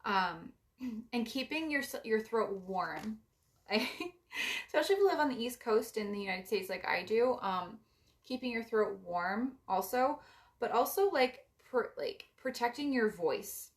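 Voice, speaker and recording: A young woman with a raspy voice giving a casual spiritual card reading, meandering with gentle advice. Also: a little high, lively intonation, unhurried. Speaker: psychic card reader.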